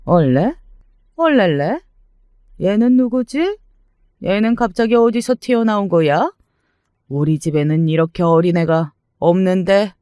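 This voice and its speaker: Guy doing a bossy old mother-in-law, slow and sneering, warm dark tone. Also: high voice, lively intonation, clean tone, dry recording, studio quality. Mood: confused. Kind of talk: storytelling drama.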